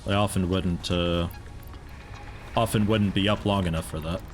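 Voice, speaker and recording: Low-voiced man chatting through a stream. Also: steady tone, normal speed, soft background music. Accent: mixed American with picked-up European mannerisms. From United States. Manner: rambling, chatty, self-interrupting, amused. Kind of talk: casual live-stream chat while playing.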